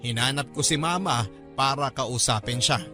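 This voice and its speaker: A man narrating a scripted first-person love story as a radio drama narrator, with measured, dramatic storytelling. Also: medium pitch, music in the background.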